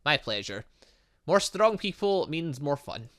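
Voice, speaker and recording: A man's voice: fairly high pitch, big pitch swings, a little slow, fairly bright tone, dry recording, studio quality. A man voicing an upbeat, easygoing young male personal trainer in a video game, instructive and encouraging. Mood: friendly.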